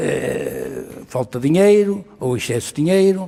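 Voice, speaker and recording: This man's dark, mellow tone carries a lively intonation. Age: 70s. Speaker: industrialist. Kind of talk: panel interview.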